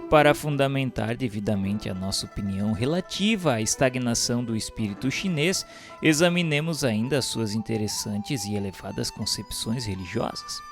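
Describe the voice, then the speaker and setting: A Brazilian man giving a solemn, scripted spiritual narration in a formal, measured, declamatory way. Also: mid-range voice. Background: instrumental music.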